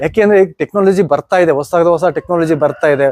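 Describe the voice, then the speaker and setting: A man with a high pitch is heard in a dry, close sound with no echo. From Bengaluru Rural, Karnataka. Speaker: dairy farmer and silage producer. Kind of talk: interview.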